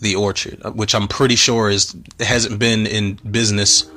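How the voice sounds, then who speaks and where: A man with a slightly hoarse voice, hosting a casual movie commentary podcast, rambling and cursing as he talks. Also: on the low side, flat delivery, normal speed, pushed and bright. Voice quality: rambling, profane, self-interrupting.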